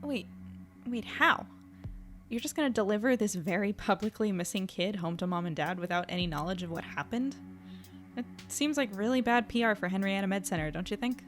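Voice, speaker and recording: A woman's voice: mid-range voice, brisk, lightly acted. Young small-town newswoman played by an actress for an audio drama: natural, musing, anxious, mid-range voice, light music bed. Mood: questioning, concerned. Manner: conversational, musing, self-doubting. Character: earnest, anxious young small-town newspaper reporter woman.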